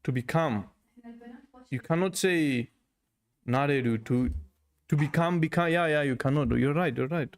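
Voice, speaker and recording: Man, fairly high voice, curious questions, repeats "yeah, yeah", casual video call. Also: moderate pace, long pauses. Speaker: language learner and channel host. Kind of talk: casual lesson chat.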